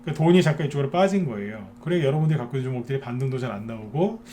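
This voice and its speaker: A man at a mid pitch gives a chatty live stock lecture, often checking in with his viewers through short asides. The recording carries a faint hiss of background noise. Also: animated, racing, warm tone. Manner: chatty, many filler "ne" and tag questions to viewers. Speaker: stock market commentator.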